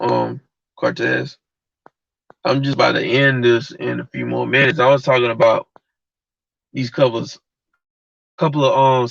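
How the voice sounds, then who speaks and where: A livestream host with a mid-range, vocal-fried, fairly bright voice rants bluntly and heatedly in casual slang straight to his live chat. The dull lo-fi mic picks up no room sound.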